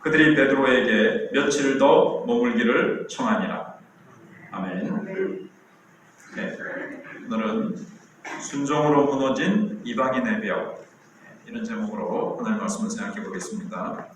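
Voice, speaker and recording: A man's voice: mid-range voice, expressive, unhurried, long pauses, noisy background. A man in his sixties, a pastor delivering a sermon in a conversational, storytelling way with rhetorical questions. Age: 60s. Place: church sanctuary. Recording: very echoey church hall.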